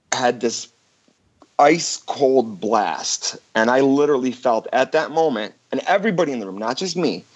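A male caller on a call-in show, recounting a story with many restarts and fillers. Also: medium pitch. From Michigan, USA. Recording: dull phone-line call.

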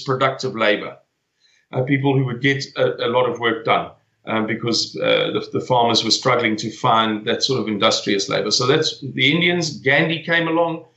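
Bright-voiced man in his forties, echoey room. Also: medium pitch, highs cut off. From South Africa. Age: 40s. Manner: hesitant, repeats words while searching for them. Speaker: guest. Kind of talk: conversational interview.

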